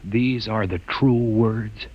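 An actor playing an impetuous, defiant young doubter with a husky voice, in 1950s radio drama style. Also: male voice, lowish voice, slow pace, muffled recording, loud music behind the voice. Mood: probing, earnest. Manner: forceful, questioning, scornful. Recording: old radio broadcast.

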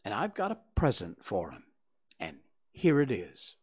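Man doing an earnest storybook boy, slightly raised and lively. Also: fairly low pitch, unhurried, breathy edge, voice pushed down, full character voice. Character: earnest young boy giving a speech.

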